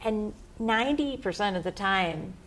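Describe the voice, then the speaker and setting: A woman's voice: medium pitch, lively intonation, unhurried, a bit bright, rough recording. A woman from the United States, a musician and music teacher, speaking enthusiastically in an interview and telling stories. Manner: enthusiastic, storytelling. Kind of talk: casual interview answers.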